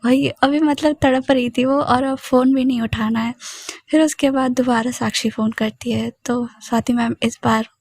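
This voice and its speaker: A woman's voice: a little high, fairly even intonation, moderate pace, a little mellow, dry recording. A woman narrating a romantic audio story in a casual, chatty way, full of conversational fillers.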